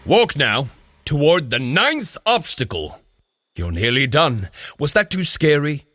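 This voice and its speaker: A jovial warrior god from an audio drama, coaching a mortal with theatrical relish. His voice is fairly high, bright and forceful, and it swings widely in pitch over clear background ambience. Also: big pitch swings, measured pace, heavily acted. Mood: jovial, musing. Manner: theatrical, grandly archaic phrasing, cheerfully bloodthirsty. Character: boisterous Asgardian warrior god coaching a mortal through training. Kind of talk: fitness audio drama narration.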